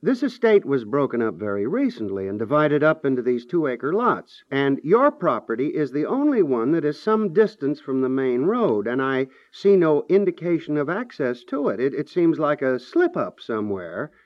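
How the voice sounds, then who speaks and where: An actor in a 1950s radio comedy playing a measured property adviser who delivers bad news with deliberate, hesitant understatement. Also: male voice, mid-range voice, sing-song, no room sound, close to an everyday voice. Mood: grave, dry. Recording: dull 1950s radio recording.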